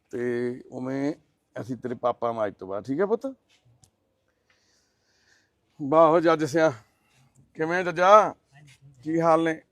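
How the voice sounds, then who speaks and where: A middle-aged man, a charity volunteer, making a heartfelt appeal and gently consoling and questioning the people he visits. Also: medium pitch, dry recording. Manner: earnest, gently consoling, explanatory. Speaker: charity volunteer presenting a case. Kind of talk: heartfelt appeal and on-site interview.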